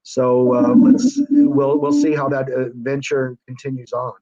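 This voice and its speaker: Very animated yet measured in pace, this American guest and former reality show contestant rambles hesitantly over a casual video call, full of fillers and restarts. His mid-range voice comes across mellow, with the highs cut off.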